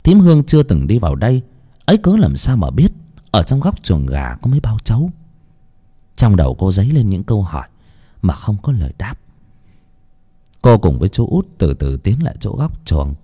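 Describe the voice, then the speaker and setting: A man reads a ghost story aloud at an unhurried pace. His voice is low and mellow, and his pitch rises and falls a great deal as he tells it. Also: husky.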